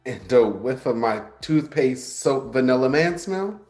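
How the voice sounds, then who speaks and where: A man's voice: mid-range voice, animated, a little slow, a little mellow, lightly acted. A man playing a flirty, sardonic but insecure gay man in a staged play reading, with a teasing, dramatic delivery. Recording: roomy sound, faint music behind.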